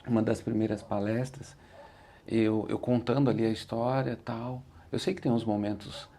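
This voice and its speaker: Gravelly low Brazilian man telling his story. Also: steady tone, normal speed, mellow. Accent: Brazilian Portuguese. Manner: earnest, repeats "said like this" when quoting himself. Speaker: interview guest, motivational speaker. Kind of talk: reflective storytelling in conversation.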